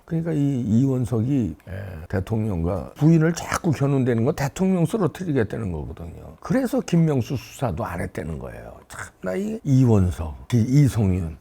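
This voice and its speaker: A middle-aged man delivers political commentary on his own show with a gravelly, husky voice. He scolds and jabs as he goes, and his pitch leaps up and drops low again and again. He sounds lively and indignant throughout. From South Korea. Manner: animated, scolding, wide pitch swings.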